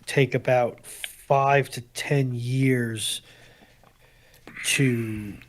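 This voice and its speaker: A man of medium pitch speaks very slowly in a casual panel discussion. He sounds a little hesitant, working out his thought as he talks. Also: steady tone, slight background noise. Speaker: panel guest.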